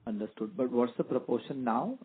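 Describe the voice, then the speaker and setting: A man asking polite, halting questions as an analyst on an earnings call. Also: medium pitch, animated, breathy edge. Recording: narrow phone line with faint noise.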